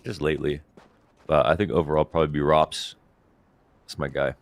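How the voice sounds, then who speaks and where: A man's voice: a bass voice, fairly even intonation, fairly quick, gravelly. A man co-casting an esports match as analyst, talking through rounds in a laid-back, conversational way. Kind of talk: casual esports analysis commentary.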